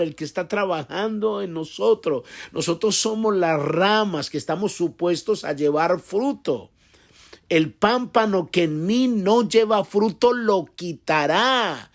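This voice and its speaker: A male pastor gives an earnest devotional sermon in a somewhat high voice. He repeats himself and restarts his sentences often as he works through his points. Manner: earnest, repetitive, with frequent restarts.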